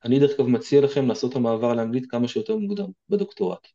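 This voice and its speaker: A man's voice: mid-range voice, animated, mellow, highs cut off. A man with an Israeli accent giving informal, direct advice as an interview guest, explaining things conversationally.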